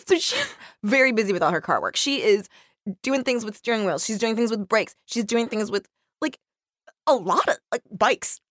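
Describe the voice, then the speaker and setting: A woman with a naturally loud voice co-hosts a podcast, her pitch leaping around as she chats and laughs. The sound is close and dry, recorded at a studio mic. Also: normal speed, no room sound. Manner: animated, laughs often, acts out quotes. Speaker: podcast co-host. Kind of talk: casual podcast chat. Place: studio, not the usual one. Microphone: studio microphone.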